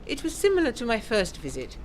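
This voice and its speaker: A woman's voice: a little high, wildly swooping pitch, quick pace, slight background noise. A woman playing an eager, self-pleased 1920s lady narrating a gothic audio drama in genteel, bookish diction. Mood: brisk, confiding.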